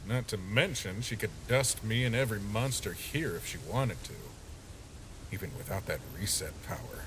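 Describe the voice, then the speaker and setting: A man voicing a sly, teasing skeleton sentry monster with a gruff streak and smug pet names, in a comic dub. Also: fairly low pitch, moderate pace, noisy background, natural voice. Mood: wary muttering. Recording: music playing behind.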